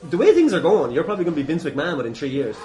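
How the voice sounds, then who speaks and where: An Irish podcast host runs a casual interview full of jokes, swearing and banter. His fairly high voice is sing-song, very fast and a little mellow, over faint music. The venue is noisy with clatter, including sounds from a wrestling ring.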